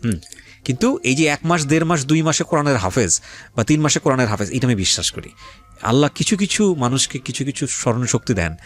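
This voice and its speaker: A man's voice: mid-range voice, very animated, brisk, soft background music. A man hosting a radio interview, asking probing questions and sharing reflective asides. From Bangladesh.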